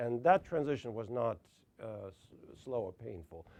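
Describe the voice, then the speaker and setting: The voice heard is a man's. It shows ordinary pitch variation. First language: Russian. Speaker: author. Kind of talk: author talk interview. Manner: halting, many fillers.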